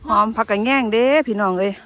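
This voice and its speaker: A woman's voice: mid-range voice, steady tone, fast, a bit bright. A woman with an Isan Thai accent, chatting casually outdoors in the rice fields and laughing often. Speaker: vlogger.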